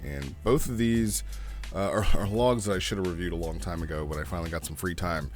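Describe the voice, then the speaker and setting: Male review host, deep register, chatty and opinionated, faint music underneath. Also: fairly quick. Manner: conversational, opinionated. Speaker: host reviewing roleplay logs. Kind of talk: casual review commentary. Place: home recording studio.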